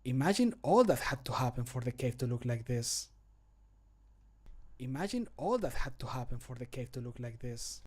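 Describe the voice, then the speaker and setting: A man voicing an excitable male adventurer in video game lines, with an eager manner. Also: mid-range voice, normal speed. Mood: fascinated. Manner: eager, gushing. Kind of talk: video game voice line acting.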